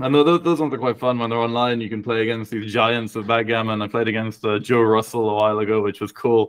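His pace is very fast, with hardly any pauses and fairly even intonation. The background is quiet. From Britain. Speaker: backgammon commentator and streamer. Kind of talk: casual interview. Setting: video call. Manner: halting. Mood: relaxed, friendly. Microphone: video call.

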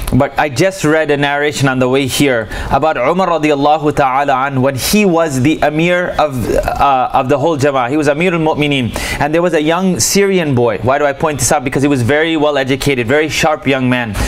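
Over music in the background, a man talks at a fairly quick pace with hardly any pauses and ordinary pitch variation. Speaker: religious teacher. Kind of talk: lecture. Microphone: handheld.

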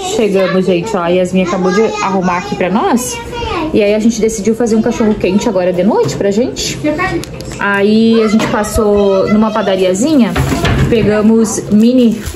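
The speaker keeps a moderate pace. Crowd noise can be heard in the background. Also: woman. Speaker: family vlogger. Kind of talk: casual vlog chat. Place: kitchen. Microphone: phone near.

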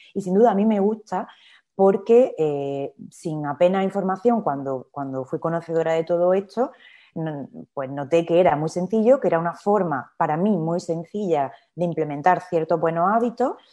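Over a quiet background, a woman's voice sounds dark and mellow at a fairly low pitch. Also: lively intonation, moderate pace. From Andalusia, Córdoba province. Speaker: nutritionist. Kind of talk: interview.

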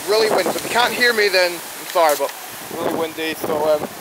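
A man's voice over loud background noise, with ordinary pitch variation and a dry sound with no echo. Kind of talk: casual vlog chat. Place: forest. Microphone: phone near.

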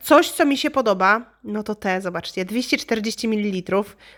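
A woman speaks in an animated tone at a fairly high pitch. The recording is very clean, the background silent. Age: 30s. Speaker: YouTuber, shopping vlogger. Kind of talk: store haul review vlog. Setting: in a store.

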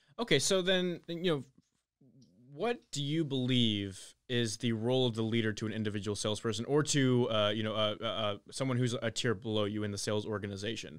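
This man has a plain, everyday voice at a medium pitch with ordinary pitch variation. He talks at a fairly quick pace against a quiet background. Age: 20s. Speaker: podcast host, sales account executive. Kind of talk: casual interview. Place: studio. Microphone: studio mic.

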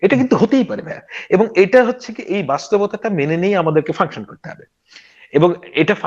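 High in pitch, a man speaks with lively intonation and big swings in loudness. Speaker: scientist and writer, activist. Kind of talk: casual political discussion.

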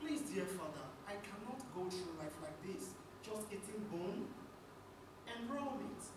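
A man speaks at a high pitch. Noticeable background noise and audible room echo are present. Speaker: club speaker. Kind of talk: storytelling speech. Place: meeting room. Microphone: camera far.

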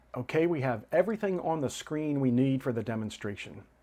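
Lively intonation marks this man's speech. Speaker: ham radio channel host. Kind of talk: tutorial. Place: home room.

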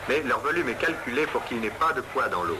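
A man speaks at a fairly slow pace. Noticeable background noise runs underneath. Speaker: documentary narrator. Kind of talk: documentary narration. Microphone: old recording.

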